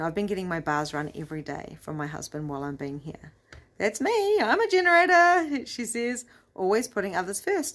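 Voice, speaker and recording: With very wide pitch swings, a woman speaks at a fairly quick pace in an animated tone and a medium pitch. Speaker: spiritual coach. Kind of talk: live stream talk to viewers. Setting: at home in front of the fire.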